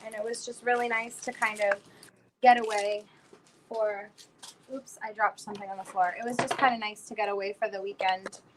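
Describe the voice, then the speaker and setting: Woman, twenties, hoarse from losing her voice, chatty, filler-heavy, faint background noise. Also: medium pitch, steady tone, moderate pace, low-quality recording. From South Florida. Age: 20s. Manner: chatty, rambling with many fillers. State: lost her voice. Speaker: livestream host. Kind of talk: casual livestream chat.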